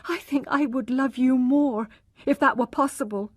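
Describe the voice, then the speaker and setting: A woman's voice: normal speed, no echo, studio quality. A woman reading a tearful, pleading young wife. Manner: pleading, trembling and high-pitched. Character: tearful, ashamed young wife, humble and despairing.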